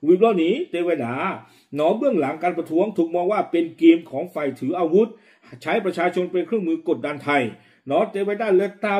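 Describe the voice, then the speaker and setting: A man presenting and commenting on the news in a rapid, informal way, with many fillers. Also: high-pitched, animated, darkish tone. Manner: quick, running commentary with frequent fillers.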